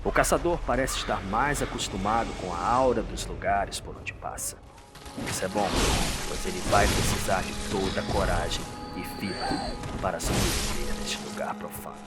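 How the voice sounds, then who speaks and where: A man with a Brazilian accent narrates a dark story in a theatrical, suspenseful, scripted style. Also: low voice. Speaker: narrator, host. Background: music.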